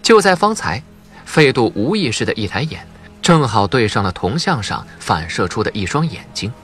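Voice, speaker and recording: A man narrating an audiobook novel in an expressive, scripted storytelling style. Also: mid-range voice, normal speed, soft background music.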